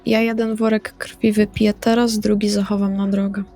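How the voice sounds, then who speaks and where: A woman's voice: medium pitch, flat delivery, normal speed, warm tone, soft background music. A woman playing in a tabletop roleplaying game, speaking casually as her character.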